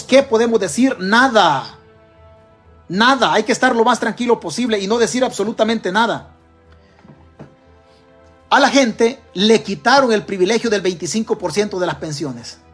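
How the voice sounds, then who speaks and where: A man's voice: sits high, animated, moderate pace, long pauses, a bit bright, breathy edge, faint music behind. A man with a Salvadoran accent giving political commentary to camera, emphatic and firing rhetorical questions straight at his audience. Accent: Salvadoran Spanish.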